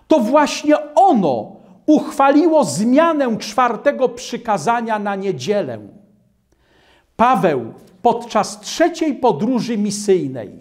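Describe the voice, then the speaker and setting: An older man preaching a studio sermon at a lectern, reading Bible verses aloud in a measured way. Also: high-pitched, darkish tone.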